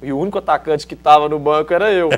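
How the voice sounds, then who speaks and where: A middle-aged Mineiro man, formerly a footballer, rattles off anecdotes rapid-fire in a slightly high voice. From Minas Gerais, Brazil, he speaks Brazilian Portuguese with a Mineiro accent. In this casual interview he's a lively storyteller, acting out what others said.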